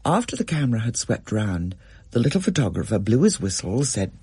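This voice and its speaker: Husky, animated story reader, dry studio sound. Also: medium pitch, fairly quick, no echo. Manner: expressive, varied storytelling. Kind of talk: scripted story reading.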